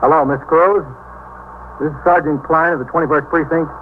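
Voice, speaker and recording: An actor in a 1950s radio drama playing a polite, businesslike desk sergeant working the phones. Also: male voice, on the high side, steady tone, a little fast, natural voice. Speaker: police sergeant. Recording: tinny old radio broadcast with faint hiss.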